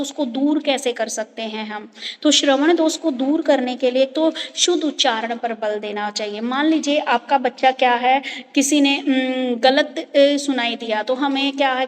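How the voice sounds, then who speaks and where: A woman with a high voice teaches her class, walking through each point and asking herself little rhetorical questions as she goes. Her voice hangs in a long reverb, as if spoken in a bare hall. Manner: explanatory, repeats rhetorical "kya hai" questions. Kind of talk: online class lecture.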